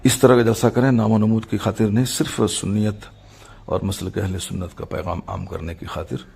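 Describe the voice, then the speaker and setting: Middle-aged male cleric, low-pitched with heavy creak, solemn and halting formal address, faintly noisy amateur audio. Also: level tone, a little mellow. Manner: measured, halting phrasing with formal Urdu religious vocabulary.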